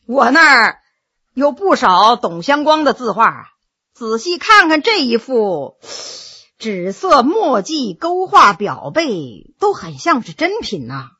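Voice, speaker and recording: A commanding emperor in plain disguise, from a historical tale, played by a woman. He talks with composed authority, in a clear-cut bright voice with varied melody. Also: fairly high pitch, sing-song, slow pace, highs cut off, full character voice. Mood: questioning. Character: composed, commanding emperor traveling incognito, man. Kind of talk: dramatized storytelling.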